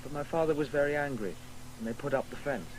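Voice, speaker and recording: A man's voice: mid-range voice, quick pace, background noise, natural voice. A man playing a clever, haughty disabled boy in a 1980s radio drama, explaining things in a pedantic, condescending way. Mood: musing, matter-of-fact. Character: precocious, disabled boy Alexander, pedantic, haughty, coldly provocative.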